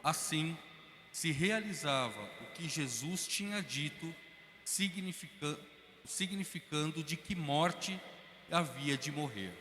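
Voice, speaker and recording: A Brazilian man narrating a liturgical Passion reading in an even, measured way in a large church. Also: fairly high pitch, slight background noise. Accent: Brazilian Portuguese. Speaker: narrator reader. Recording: long church reverb.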